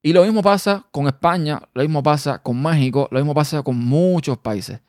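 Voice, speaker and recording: A man with a Cuban accent hosting a personal podcast monologue, a quick talker who sometimes trips over his words. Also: on the high side, a little mellow, no room sound, studio quality. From Cuba. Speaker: podcast host.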